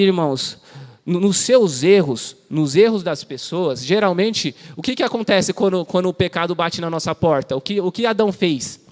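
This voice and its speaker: Sao guy preaching in church, kinda high voice, chatty slangy storytelling, long echo off the hall. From Brazil. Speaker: lay preacher. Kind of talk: informal sermon.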